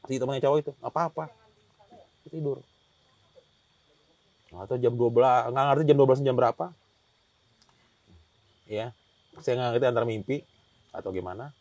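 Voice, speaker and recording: A man's voice: medium pitch, moderate pace, pauses often, darkish tone, no room sound. A man telling a guest story in a rambling way, with many restarts and acted-out quotes. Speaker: hiker telling his experience as a guest. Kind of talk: casual storytelling interview.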